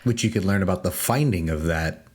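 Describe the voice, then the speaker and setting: Appreciative man with a lowish voice. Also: fairly quick. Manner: appreciative, affirming. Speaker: podcast roundtable host. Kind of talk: casual chat.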